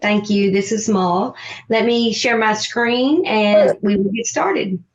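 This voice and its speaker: Woman talking on a dull video call. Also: mid-range voice. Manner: halting, with frequent "um"s. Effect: heard over a Zoom video call. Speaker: advocate presenting at a meeting. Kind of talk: informal presentation at a virtual meeting.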